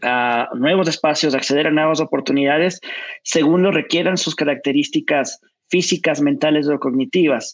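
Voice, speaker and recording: An unremarkable speaking voice with ordinary pitch variation over a quiet background. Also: man. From Ecuador. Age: 30s. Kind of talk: interview.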